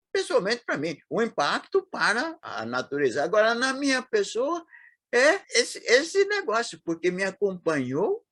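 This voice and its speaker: A man in his eighties with a São Paulo accent, reminiscing as an interview guest, talking haltingly with frequent restarts and fillers. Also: high voice, a bit bright, slightly rough, dry recording, studio quality. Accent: Paulistano Brazilian Portuguese. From São Paulo, Brazil. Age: 80s.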